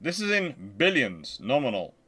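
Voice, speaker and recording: A man hosting a history channel, explaining informally and thinking aloud in a halting, conversational way. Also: medium pitch, wildly swooping pitch, bright, forceful tone, breathy edge. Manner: conversational, halting, muttering to himself while working.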